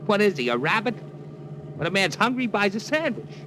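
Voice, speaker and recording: An actor playing a slangy, excitable Hollywood talent agent in a 1940s radio drama, narrating and chasing. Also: male voice, sits high, brisk, noisy background. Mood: frantic. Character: brash fast-talking Hollywood agent. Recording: old radio drama with music.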